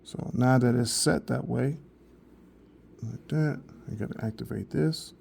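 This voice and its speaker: A man's voice: mid-range voice, a little slow, vocal fry, darkish tone, slight background noise. A man casually demoing a phone's translation feature in a vlog. He rambles, restarts often and keeps earnestly urging viewers. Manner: rambling and repetitive, with frequent restarts. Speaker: vlogger reviewing a phone. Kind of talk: casual product demo.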